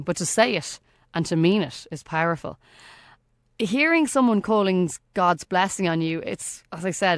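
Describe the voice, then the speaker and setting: A woman's voice: on the low side, dry recording, studio quality. An Irish woman hosting a faith podcast, reading a scripted reflection with earnest emphasis. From Ireland. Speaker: podcast host.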